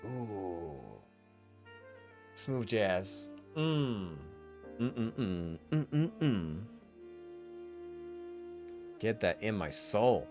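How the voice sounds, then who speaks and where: A man's voice: lowish voice, very animated, very slow, long pauses. A man streaming a visual novel, reading the narration dramatically and adding casual asides. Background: faint music.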